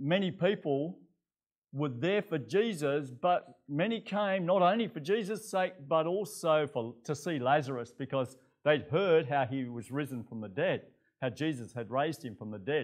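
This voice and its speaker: Little can be heard in the background. The talking goes at a moderate speed. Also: man. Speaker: preacher. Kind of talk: sermon. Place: church. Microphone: lapel.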